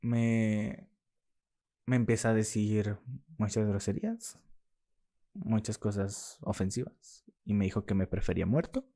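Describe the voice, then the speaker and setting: A young man with a Mexican Spanish accent, a musician telling his own story as a podcast guest, lively and acting out what people said. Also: on the low side, a little slow, long pauses. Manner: lively, acts out quoted dialogue, laughs while telling. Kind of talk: casual storytelling in an interview.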